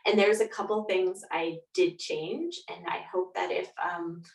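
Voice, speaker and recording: A woman's voice: lowish voice, unhurried, gravelly. A woman speaking as a guest author, answering conversationally in an interview. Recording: roomy, distant from the mic.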